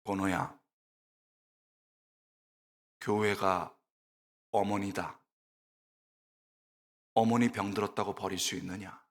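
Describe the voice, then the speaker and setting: A man voicing God in a sermon story, speaking slowly, gently and gravely. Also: sits low, steady tone, voice pushed down. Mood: gently rebuking. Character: God, a calm, low fatherly voice. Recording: long church reverb.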